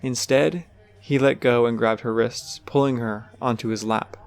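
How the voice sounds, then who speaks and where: A man's voice: mid-range voice, fairly even intonation, a little slow. A man giving scripted third-person narration for an audio drama.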